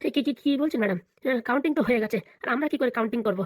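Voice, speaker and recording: A woman's voice: a little high, very fast, dry recording, lightly acted. A woman voicing a deferential, flustered police officer in a comedy cartoon, hesitant and placating. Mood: puzzled.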